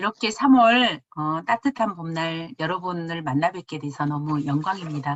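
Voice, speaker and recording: A woman speaks in a fairly low pitch. Her intonation is lively. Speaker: lecturer, educator. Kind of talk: online lecture. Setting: online live lecture. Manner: fast-speaking.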